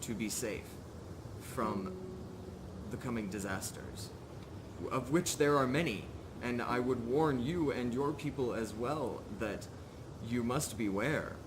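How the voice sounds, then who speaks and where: A man's voice: medium pitch, slow pace, background noise, close to an everyday voice. A man voicing an anxious, pleading outcast villager in a tabletop game, speaking formally with stammers and repeated words. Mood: nervous, warning.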